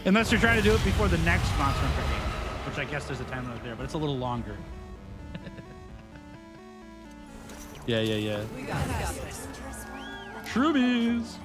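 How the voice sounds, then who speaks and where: A man's voice: medium pitch, a little fast, long pauses, over music. A man live-streaming a video game, chatting casually with his viewers, joking and laughing often as he reads their messages aloud. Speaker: gaming streamer.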